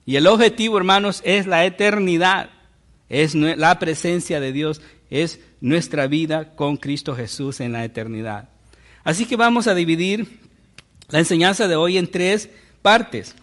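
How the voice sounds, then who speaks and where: A man's voice: fairly high pitch, unhurried, a bit bright. A man preaching a sermon as pastor, teaching with rhetorical questions.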